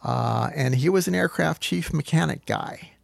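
Man, middle-aged, from Boston, gravelly, dry close sound, rambling easygoing guest. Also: on the high side, moderate pace, dry recording. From Boston area, US. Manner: rambling, easygoing, with restarts and fillers. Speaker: guest, former studio engineer. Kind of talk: casual interview chat.

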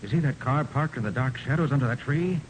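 An actor playing a confident, commanding private detective with a brisk, authoritative manner in a 1940s radio crime drama. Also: male voice, expressive, lightly acted. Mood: assured. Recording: noisy rumbling 1940s radio recording.

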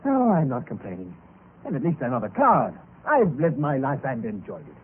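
An actor playing a reckless, ruined young gentleman in an old radio drama, brisk and wry. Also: mid-range voice, huge pitch swings. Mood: world-weary. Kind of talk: 1940s radio acting. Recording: tinny old radio broadcast with faint hiss.

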